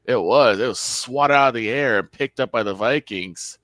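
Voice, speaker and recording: A man's voice: medium pitch, moderate pace, fairly bright tone, no echo. A young man co-hosting a sports show, chatting casually and explaining calls on the field. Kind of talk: casual color commentary.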